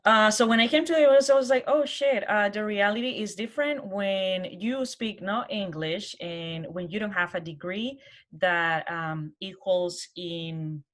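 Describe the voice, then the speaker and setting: A woman with a Colombian Spanish accent giving an informal personal presentation, halting, with frequent pauses and restarts. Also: medium pitch. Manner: halting, hesitant, many pauses and false starts. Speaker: guest speaker, college program manager.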